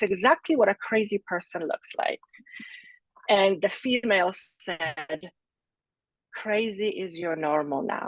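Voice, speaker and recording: The dry, close sound carries no echo as a woman speaks at a medium pitch and a fairly slow pace, her intonation lively. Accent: non-native. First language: not English. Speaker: energy healer and psychic medium. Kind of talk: interview.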